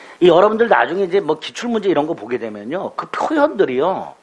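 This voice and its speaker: Over noticeable background noise, a man with a high pitch talks fairly quickly with very wide pitch swings. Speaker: law lecturer for licensing exam. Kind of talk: lecture. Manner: fast; casual, conversational.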